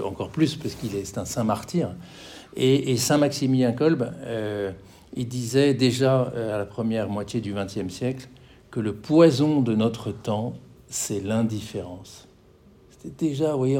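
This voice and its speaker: A middle-aged man, director of a Catholic charity, giving an earnest personal testimony in a public talk with many halting restarts. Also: mid-range voice, mellow, a little hiss or hum.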